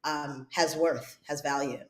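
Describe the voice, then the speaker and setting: A woman's voice: low-pitched, steady tone, measured pace. A woman, a writer and director, talking thoughtfully in an interview, often searching for her words. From South Africa. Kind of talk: reflective conversational interview. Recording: echoey room.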